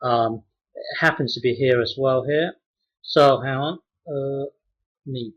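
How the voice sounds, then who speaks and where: A man teaching a math example off the cuff, halting with many restarts and fillers as he works through it. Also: mid-range voice, husky, highs cut off. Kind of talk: unscripted whiteboard explanation.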